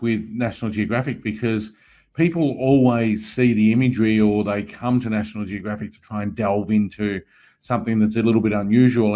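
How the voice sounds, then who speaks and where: A man's voice: on the low side, darkish tone. An Australian man, an interview guest, telling stories about his work in a casual, modest way. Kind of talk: casual conversational storytelling.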